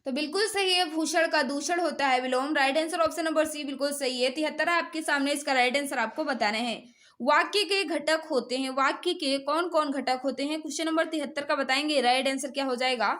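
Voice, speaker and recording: High-voiced Indian woman teaching a quiz. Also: a little fast, fairly bright tone. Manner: repetitive, instructional, prompting students. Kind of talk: live exam quiz lesson, reading questions and giving answers.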